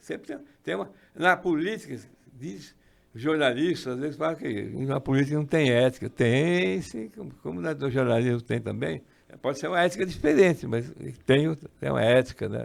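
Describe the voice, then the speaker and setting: A man speaks at a moderate pace with vocal fry, long, frequent pauses and big swings in loudness. The recording is very clean, with a silent background. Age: 70s. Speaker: local politician, vice-mayor candidate, teacher. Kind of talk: radio interview. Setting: radio studio. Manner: halting, many false starts.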